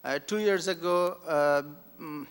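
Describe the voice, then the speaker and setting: A middle-aged man with an Afghan accent gives a factual public speech in a halting, measured manner. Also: a little high, smooth. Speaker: nonprofit founder speaking at an event. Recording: long hall reverberation.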